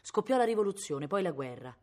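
A woman's voice: medium pitch, very animated, fairly quick, dark tone. A woman from Italy reading a novel aloud expressively, her voice rising with the drama. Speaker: reader.

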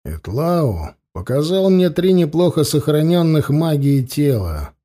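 A man voicing a tense male necromancer who clips his words and forces a cold calm. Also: on the high side, unhurried. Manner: clipped and cold, forcing calm.

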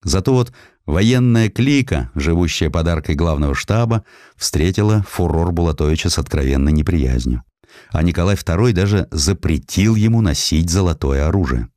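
Deep-voiced male narrator, dry studio sound. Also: lively intonation, moderate pace, dark tone, no echo. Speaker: audiobook narrator. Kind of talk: dramatic scripted narration of a historical story.

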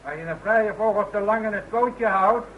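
A man's voice: high voice, moderate pace, natural voice. An actor in a Dutch radio play playing a cocky, slyly familiar man with a breezy, teasing, dismissive manner. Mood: needling, curt. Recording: tinny, noisy old radio recording.

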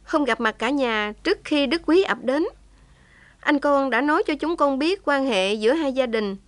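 A woman's voice: high-pitched, expressive, moderate pace, no room sound, voice pushed up. A woman voicing a young heroine who is daring and tender, pleading with feeling. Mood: tender, tearful. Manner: impassioned, tearful pleading.

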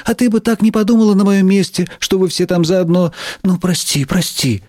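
Brief: excitable middle-aged schoolteacher woman, put on by a male reader, shrill and high, recorded dry. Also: normal speed, no echo, natural voice. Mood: pleading. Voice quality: raised shrill voice, scolding and fussing. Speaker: teacher. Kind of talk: audiobook character reading.

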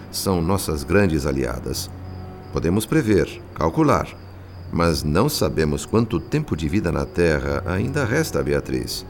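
A wise spirit mentor in a radio drama. His voice is very deep but moves expressively, and he speaks in a serene, measured way. Soft music plays behind him. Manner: serene, measured, gently admonishing.

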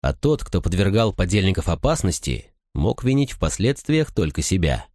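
A man narrating an audiobook in a steady, measured reading style. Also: deep voice, no room sound, clean studio sound. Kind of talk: scripted narration.

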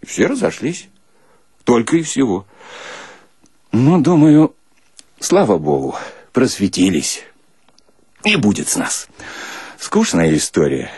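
A man's voice: medium pitch, slow pace, long pauses, slightly rough, no room sound, studio quality. A man performing a colloquial comic monologue as a storyteller, with a folksy, theatrical delivery. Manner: folksy, theatrical, animated, breaks into mock singing.

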